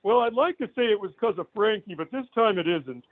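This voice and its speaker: A man in his forties calls in to a show over a narrow, tinny phone line. His voice sits high for a man. He delivers absurd jokes in a calm, dry way. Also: fairly quick. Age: 40s. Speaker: caller. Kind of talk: deadpan call-in comedy.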